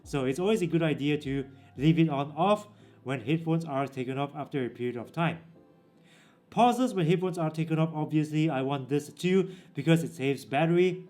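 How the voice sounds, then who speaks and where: Guy doing a tech review, voice a bit high, chill explainer tone, faint music behind. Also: moderate pace, a little mellow. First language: English. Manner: casual, explanatory, direct. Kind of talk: product walkthrough.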